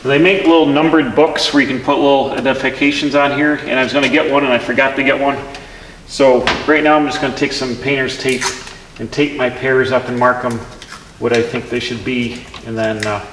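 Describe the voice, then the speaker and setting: A man's voice: medium pitch, level tone, brisk, a bit bright, a little hiss or hum. A man hosting a do-it-yourself video, explaining his work step by step as he goes and thinking aloud with frequent restarts. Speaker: DIY channel host. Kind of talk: casual step-by-step explanation while working. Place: pole barn workshop. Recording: echoey, reverberant barn space.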